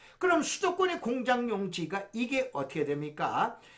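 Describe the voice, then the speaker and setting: A man's high-pitched voice, bright and sharp in tone and animated, moves at a moderate pace through very wide pitch swings. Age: 70s. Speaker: retired professor teaching land investment. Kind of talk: lecture. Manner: animated, rhetorical questions.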